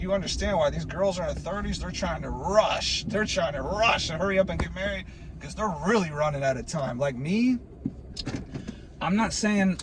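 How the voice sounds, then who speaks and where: A man in his late twenties ranting in a casual, rambling way, saying "dude" again and again and restarting his sentences. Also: high-pitched. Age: 20s. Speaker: vlogger. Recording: loud vehicle noise behind.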